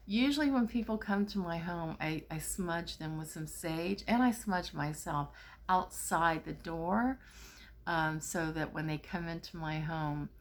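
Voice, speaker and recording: A middle-aged woman, a spiritual therapist, telling a personal story in a casual, rambling way with many fillers and restarts. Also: low voice.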